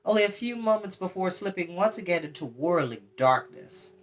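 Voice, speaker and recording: A woman reading a fantasy story aloud as an expressive storytime narrator. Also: on the low side, normal speed, a little hiss or hum. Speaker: storytime host and reader.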